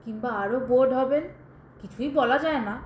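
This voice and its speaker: A woman's voice: high voice, moderate pace, natural voice. An actress playing a bitter, sardonic widow who tells her tragic story in a pointed, dramatic way in an audio drama. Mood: wistful irony. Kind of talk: Bengali audio drama acting. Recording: roomy echo, faint background noise.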